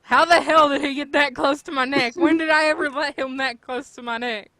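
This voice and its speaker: Giggly higher-voiced woman, dry close sound. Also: fairly even intonation, a little fast, sharp tone, no echo. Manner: giggly, playfully protesting. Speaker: story author co-reading and commenting. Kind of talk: casual chat and read-aloud with interjections.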